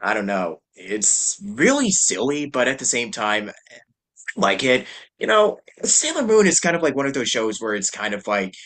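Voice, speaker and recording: A man's voice: medium pitch, big pitch swings, moderate pace, fairly bright tone. A man hosting a podcast, chatting casually in a loose, rambling way and laughing easily. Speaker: podcast host. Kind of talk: casual chat.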